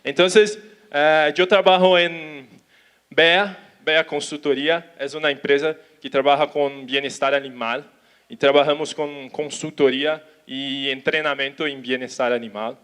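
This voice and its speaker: A man with a Brazilian accent, a native Portuguese speaker who cannot roll his R, giving an informal conference talk haltingly, mixing in Portuguese words and checking that listeners follow. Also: fairly high pitch, fairly even intonation, fairly bright tone, smooth. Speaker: animal welfare consultant giving a talk.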